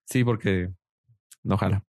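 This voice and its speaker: A man's voice: fairly low pitch, steady tone, slow, darkish tone, no room sound, studio quality. A man with a Mexican accent, co-hosting a podcast in a casual chat among friends, joking and laughing often. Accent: Mexican Spanish. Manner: jokey, laughs often, playful. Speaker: podcast co-host.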